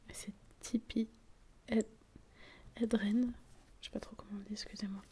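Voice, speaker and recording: A woman speaking in a soft, unvoiced whisper, giving a relaxing ASMR talk at home. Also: mid-range voice, level tone, normal speed, slight background noise. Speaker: ASMR creator. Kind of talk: whispered ASMR talk about film quotes. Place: at home, wind outside.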